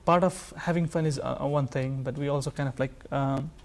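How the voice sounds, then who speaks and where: A man with a Nepali accent, a folk musician being interviewed, talking casually and haltingly with many filler phrases. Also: mid-range voice, steady tone. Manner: hesitant, halting delivery full of like and you know. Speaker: folk musician, sarangi player, guest; music educator.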